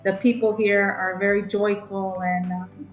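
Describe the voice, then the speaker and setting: A woman who is a religious sister, answering gently in an interview with many ums and restarts. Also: mid-range voice, little pitch movement, unhurried, roomy sound, muffled recording, faint music behind.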